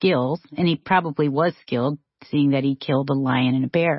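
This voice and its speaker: At a moderate pace, a woman speaks in an enthusiastic, warm tone with ordinary pitch variation. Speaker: co-host, pastor's wife. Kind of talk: casual conversation.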